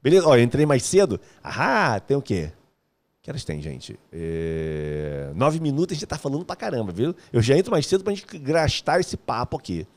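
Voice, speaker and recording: Lively man hosting a live stream. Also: medium pitch, normal speed. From Rio de Janeiro, Brazil. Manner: energetic, slangy, joking, calls viewers "meu brother". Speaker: host of a live music course stream. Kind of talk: casual live-stream chat reading viewer comments.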